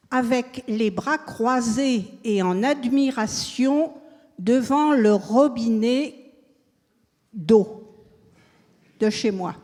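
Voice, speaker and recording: Lady in the audience asking a question, slow and careful, echoey hall. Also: a little high, a little mellow. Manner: measured, deliberate. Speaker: audience member. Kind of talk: asking a question at a public talk. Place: large hall at a public event. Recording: reverberant hall.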